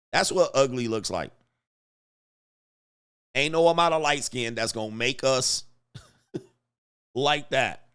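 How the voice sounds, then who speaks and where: A man's voice: mid-range voice, a bit bright, clean tone. A middle-aged man from Southern California, hosting a casual livestream and reading viewer super chats with laughing, mocking asides.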